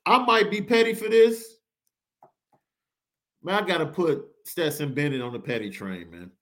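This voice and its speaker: Male podcast host, excitable slangy sports talk, lively pitch. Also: moderate pace. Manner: excited, slangy, reads super chats. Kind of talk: animated sports podcast banter.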